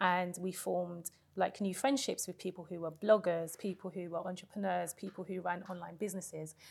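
With hardly any pauses, a woman with a London accent speaks at a fairly quick pace and a medium pitch with fairly even intonation, on a very clean recording with a silent background. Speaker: personal finance author and blogger. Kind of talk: live interview with audience Q&A. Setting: stage with audience.

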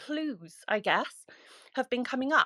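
A woman speaks in a high voice. The sound is dry and close, without echo. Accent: British. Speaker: virtual assistant. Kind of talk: personal testimony. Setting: online audio room.

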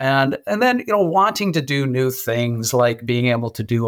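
A man's medium-pitched voice at a moderate pace, an ordinary speaking voice with ordinary pitch variation, on a very clean recording with a silent background. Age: 60s. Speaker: fitness program member. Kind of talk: interview.

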